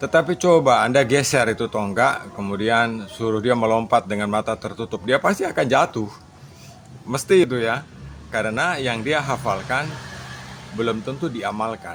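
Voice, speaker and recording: With noticeable background noise behind him, a man with an eastern Indonesian accent speaks at medium pitch and a moderate pace, using ordinary pitch variation. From eastern Indonesia (Papua). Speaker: YouTuber and practical skills teacher. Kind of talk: casual vlog monologue.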